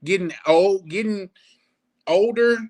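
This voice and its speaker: A man's voice: high voice, slow, a little mellow, no echo, clean studio sound. A man in a casual podcast chat, speaking in a blunt, teasing, colloquial way. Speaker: podcast co-host.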